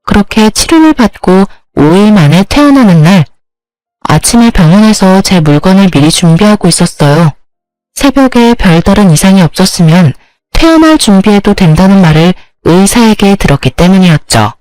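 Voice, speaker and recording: A woman's voice: medium pitch, very animated, moderate pace, a little mellow, dry recording, soft background music, poor audio. A woman narrating a first-person story about her family in a plain, confiding way.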